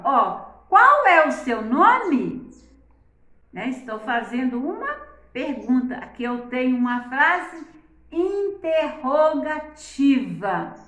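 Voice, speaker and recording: A woman teaches a class slowly and deliberately, exaggerating the intonation of her examples and often tacking on "né?". Her voice sits high with a fairly bright tone. The room is reverberant.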